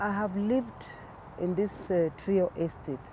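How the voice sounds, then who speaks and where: Very slow pace from a woman. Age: 60s. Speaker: retired civil servant complaining about harassment in a news interview. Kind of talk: interview answer. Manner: distressed, pleading.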